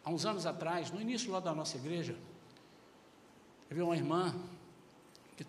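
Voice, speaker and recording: A man preaching a sermon as pastor, emphatic and animated. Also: on the high side, normal speed, a little hiss or hum. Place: church. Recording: echoey church hall.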